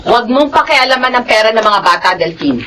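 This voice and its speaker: A woman's voice: a little high, expressive, brisk, bright, forceful tone, slight background noise, poor audio. A fierce protective mother. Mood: stern. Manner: firm, defiant. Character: long-suffering mother defending her children.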